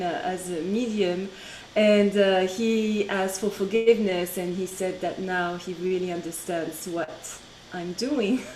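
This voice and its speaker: A woman's voice: medium pitch, darkish tone, slight background noise. A middle-aged woman with a French accent, a guest chatting on a video call and laughing between phrases. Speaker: interview guest. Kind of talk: casual video-call interview. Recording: echoey room on video call.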